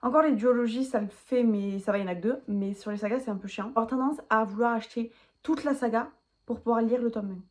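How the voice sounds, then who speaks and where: A woman's voice: on the high side, fast. A woman vlogging casually about books she owns but has not read, chatty and self-mocking, rambling with many asides. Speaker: book vlogger. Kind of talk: casual chat to camera.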